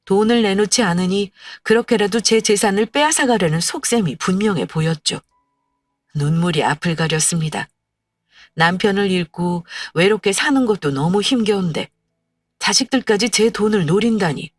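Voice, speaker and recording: A woman reads a first-person story in a confiding, emotional voice. Her voice sits dry and slightly off the mic. Soft music plays faintly underneath. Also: mid-range voice, moderate pace, no room sound, recorded from a distance. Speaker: story narrator.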